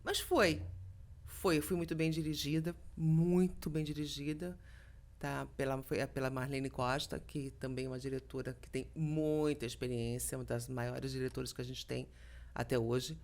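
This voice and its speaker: A middle-aged Brazilian voice actress, a guest on a podcast, tells lively stories and acts out the quoted dialogue. She speaks at a moderate pace in a very deep voice.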